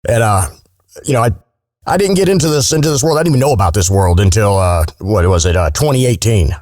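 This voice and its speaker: A man's voice: on the low side, lively intonation, quick pace, a little mellow, dry recording. Joking, informal man on a dry mic. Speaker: podcast guest, voice actor. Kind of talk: casual chat, telling anecdotes.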